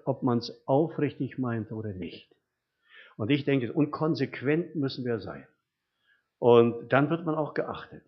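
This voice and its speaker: An older man delivers a sermon in an easygoing, storytelling manner, his voice sitting at an ordinary middle pitch. He keeps checking in with listeners through little rhetorical questions. The recording is dull and muffled, lacking top end. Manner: folksy storytelling with frequent rhetorical tag questions. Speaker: lay preacher.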